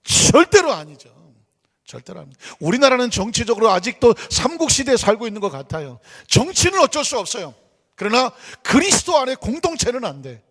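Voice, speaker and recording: A man's voice: very high-pitched, very animated, fast talker, fairly bright tone. A man pastor preaching a sermon in a church, putting rhetorical questions to the congregation and answering them himself. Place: church sanctuary. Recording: long church hall reverb.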